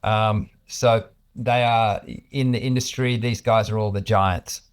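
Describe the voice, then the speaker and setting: A man's voice: fairly low pitch, steady tone, unhurried, clean tone. A man with an Australian accent speaking as an executive guest in an informal business interview, explaining things in a hesitant, conversational way.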